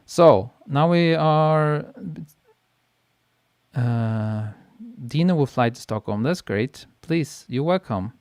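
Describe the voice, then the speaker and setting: A photographer hosting a live stream, chatting casually and reading out viewer comments, relaxed and quick to laugh, speaking into a podcast mic. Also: male voice, medium pitch, clean tone, no room sound, clean studio sound. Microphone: podcast mic on a boom arm.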